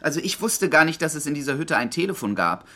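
A defensive, idealistic male activist in a crime radio drama. His voice is bright and tense, and he sounds evasive and indignant under questioning. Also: on the high side, very animated, fast talker, exaggerated voice. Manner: evasive, indignant, hesitant when pressed.

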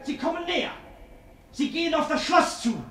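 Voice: sits high, animated, moderate pace, fairly bright tone. An actor playing a dutiful royal servant on lookout, calling out reports in a theatrical radio play. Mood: excited announcing. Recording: echoey old radio recording, background noise.

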